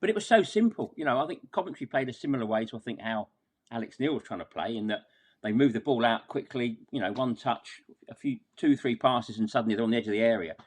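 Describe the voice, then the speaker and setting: Man in exasperated, halting football chat. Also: mid-range voice, breathy edge. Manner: exasperated, wordy, halting with repeated words. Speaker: football podcast guest. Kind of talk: casual football match review chat.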